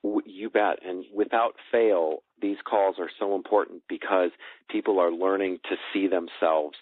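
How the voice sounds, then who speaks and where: A man in middle age with a low-pitched voice talks as an interview guest. He searches for words and doubles back on phrases to stress them. The sound is a thin telephone connection with no room around it. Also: steady tone, moderate pace, slightly rough, no room sound. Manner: hesitant, searching for words, repeats phrases for emphasis. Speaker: guest, personal growth coach and author. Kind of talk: conversational interview on a call. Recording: dry, band-limited phone call.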